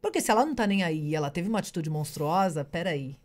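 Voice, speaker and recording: A woman's voice: lowish voice, lively intonation, quick pace, a little mellow. A woman co-hosting a podcast, explaining parenting ideas in a reflective, casual way, often tagging her sentences with "né?". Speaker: podcast co-host, parenting educator.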